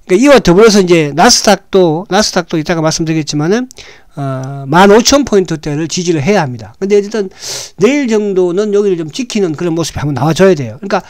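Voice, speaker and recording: A hoarse man hosting a stock market show, talking casually and often checking in with "right?". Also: sits high, lively intonation, a little mellow, no echo, clean studio sound. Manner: talks with frequent "right?" tag questions, halting restarts.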